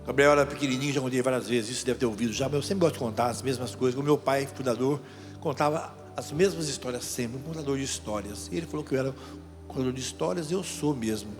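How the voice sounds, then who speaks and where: A man's voice: mid-range voice, fast. A middle-aged man from Brazil, a deacon preaching a storytelling sermon and putting questions to the crowd. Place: large event hall. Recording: long hall reverb, faint music.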